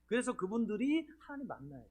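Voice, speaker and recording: A man preaches a sermon at a church seminar. His voice sits high and swings widely in pitch. He keeps putting rhetorical questions to the people in the pews. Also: sing-song, fast, a little mellow. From Chungcheong region, Korea. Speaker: pastor. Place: church sanctuary.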